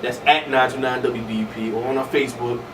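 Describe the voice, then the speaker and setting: A man's voice: mid-range voice, fairly even intonation, fast talker, recorded from a distance, noisy background. A man hosting a casual radio show, talking in a slangy, laid-back way in a studio. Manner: slangy, laid-back, says "you know what I'm saying" often.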